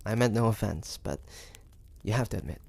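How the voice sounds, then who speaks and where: A man playing a proud, wary, sardonic hunter from the 1850s in an intimate audio drama, halting and full of breathy sighs. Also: fairly low pitch, lively intonation, darkish tone, dry recording, full character voice. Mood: amused, teasing. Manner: halting, breathy sighs, indignant then grudging.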